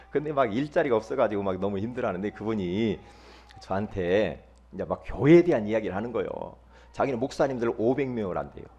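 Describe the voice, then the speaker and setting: Man, pastor, sermon, husky, sweeping pitch, talks with the congregation. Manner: animated, conversational, often questions the congregation. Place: church.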